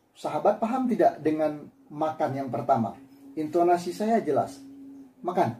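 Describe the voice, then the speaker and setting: High-pitched and mellow, this male teacher's voice rings out in a reverberant space. He is giving a classroom language lesson, patiently explaining and repeating words to show how the intonation should go.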